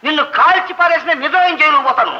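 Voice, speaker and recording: A man's voice: extremely high pitch, rapid-fire, heavily acted. A blustering rich old father. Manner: shouting, threatening, theatrical bluster. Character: blustering rich old man, loud and bossy. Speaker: wealthy father locked in his room. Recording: dull old film soundtrack.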